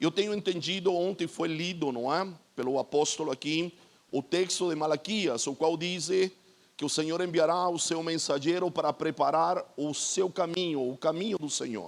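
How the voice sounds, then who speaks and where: Pitch varies in an ordinary way as the talking proceeds at a moderate pace. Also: man, high pitch for a man. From Chile. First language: Spanish (speaking Portuguese). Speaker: pastor. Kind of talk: sermon.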